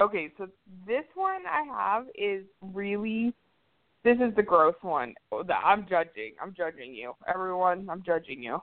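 Animated and in an American accent, a woman at medium pitch makes big swings in loudness and very wide pitch swings. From Florida. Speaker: podcast co-host. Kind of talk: casual chat. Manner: laughing, animated.

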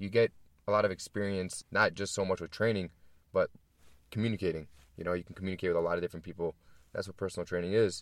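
Very fast pace with long, frequent pauses, monotone, flat intonation and an American accent, in a dry, close sound with no echo on a very clean recording with a silent background. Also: man, very deep, low pitch for a man. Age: 20s. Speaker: personal trainer. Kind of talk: casual chat.

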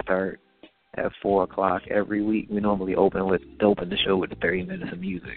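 Music plays in the background as a man with an American accent speaks. His pitch is fairly low and his pace very fast. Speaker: radio co-host. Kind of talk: casual chat.

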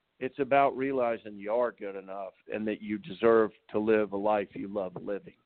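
A man talks moderately fast in an ordinary speaking voice, with ordinary pitch variation. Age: 60s. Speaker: addiction recovery center founder. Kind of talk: interview.

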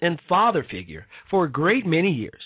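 A man with an American accent speaks at a fairly slow pace in a high pitch, making big pitch swings.

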